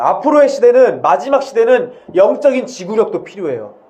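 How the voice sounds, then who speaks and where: Through noticeable background noise, a man with an extremely high pitch talks at a very fast pace with lively intonation. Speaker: pastor. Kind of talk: sermon.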